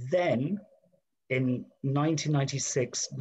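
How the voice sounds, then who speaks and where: Over light background noise, a man with a Welsh accent speaks in a fairly high, somewhat breathy voice. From Wales. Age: 50s. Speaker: leadership consultant and trainer. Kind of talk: casual chat. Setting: video call. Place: home room. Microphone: video call.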